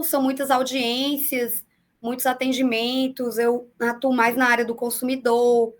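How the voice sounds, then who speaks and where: A woman in her forties talks over a video call with a high, light voice. Her Brazilian accent blends the far south with the northeast. She explains things at a measured pace, dropping small fillers along the way. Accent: mixed southern Brazilian and northeastern Brazilian Portuguese. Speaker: public defender. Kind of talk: remote interview answers.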